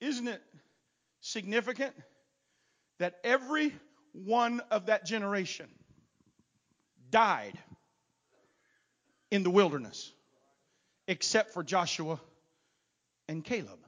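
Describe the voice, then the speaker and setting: A man preaching a sermon, swinging from quiet asides to loud, shouted exhortation. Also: high-pitched, expressive, takes it slowly, long pauses. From not from Texas.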